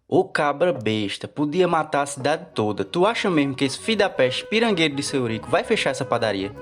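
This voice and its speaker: A man's voice: on the high side, very animated, brisk, soft background music. A man playing a cocky, wily, poor bakery worker in a radio soap, brash and colloquial, with a Northeastern Brazilian accent. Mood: exasperated, scolding. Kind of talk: radio soap opera acting.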